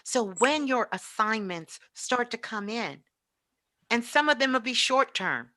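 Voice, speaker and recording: A woman with a bright, forceful voice speaks as a spiritual teacher. Her delivery is motivational and emphatic, preaching her points and driving them home with repetition. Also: a little high, expressive, unhurried. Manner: emphatic, preaching, with repeated phrases.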